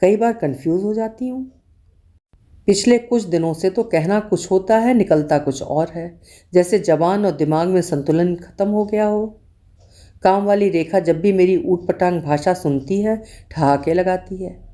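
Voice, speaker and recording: A woman's voice: lowish voice, measured pace, dark tone. A woman storyteller reading a first-person diary story in a reflective, confessional manner.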